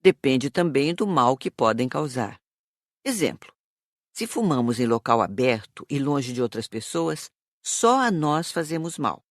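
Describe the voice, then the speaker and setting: A woman playing a calm, serious spirit teacher in an audiobook, speaking in a measured, didactic way. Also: a bass voice, no echo, clean studio sound, exaggerated voice. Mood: reassuring. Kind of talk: audiobook dialogue.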